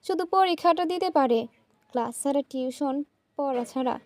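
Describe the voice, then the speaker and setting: Woman storyteller, emotive scripted narration; high and mellow. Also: normal speed, dry recording.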